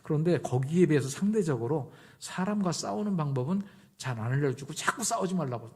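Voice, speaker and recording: A middle-aged male pastor delivers a conversational sermon, telling stories and acting out both sides of each dialogue. His voice is fairly high, expressive, and fairly quick, with slight background noise.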